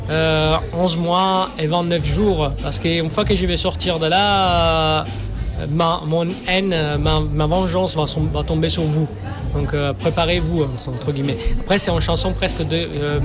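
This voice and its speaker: Man searching for French words. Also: a little high. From Sicily. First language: Sicilian. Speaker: musician guest. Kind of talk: radio interview.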